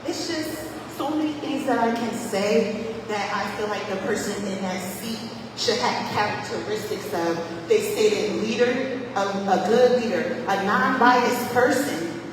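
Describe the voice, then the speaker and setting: A woman's voice: mid-range voice, measured pace. Parent lady at the mic, earnest and repetitive, long hall reverb, noisy room. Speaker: parent speaking at public comment. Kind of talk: public comment at a school board meeting. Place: large meeting hall. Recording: echoey hall from far off, noisy.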